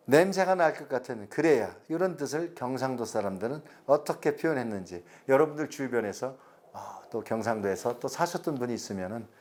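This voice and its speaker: A middle-aged man, giving a recorded lecture slowly and deliberately, stretching words and pausing. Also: mid-range voice, a little mellow. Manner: slow, deliberate explanation with drawn-out words and pauses.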